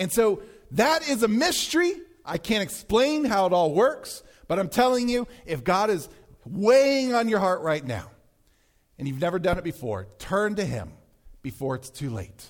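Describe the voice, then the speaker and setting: Speaking with an American accent, a man holds a moderate pace. His pitch is high and swings very widely. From Maryland. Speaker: pastor. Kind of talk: sermon. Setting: church.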